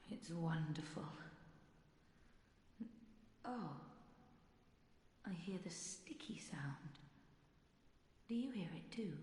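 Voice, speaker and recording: Game character: a frail, grateful patient; slow, soft and breathy, set in an echoing hall with faint hiss. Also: female voice, on the low side. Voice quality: breathy, half-whispered. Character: frail bedridden female patient, once a blood saint, eager to please. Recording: echoey game audio with long reverb and faint noise.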